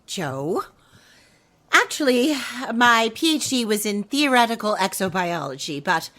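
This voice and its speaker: A woman's voice: medium pitch, big pitch swings, measured pace, a bit bright. An actress playing a flustered female entomology professor being interviewed. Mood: precise. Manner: flustered, then precise and formal.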